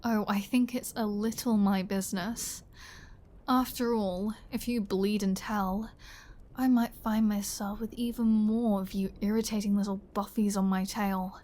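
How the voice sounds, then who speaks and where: Actress as a flirty female vampire, unhurried pace, mid-pitched, playful menace, sardonic teasing, intimate ASMR roleplay delivery. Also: fairly even intonation, darkish tone, natural voice. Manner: teasing, sardonic, drawling, drops into breathy whispers. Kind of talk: ASMR audio roleplay, intimate scripted acting.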